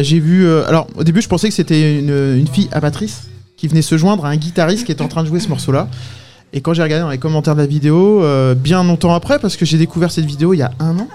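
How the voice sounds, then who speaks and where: A man organizing a festival, talking enthusiastically on radio in quick bursts. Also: on the high side, warm tone. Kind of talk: radio interview.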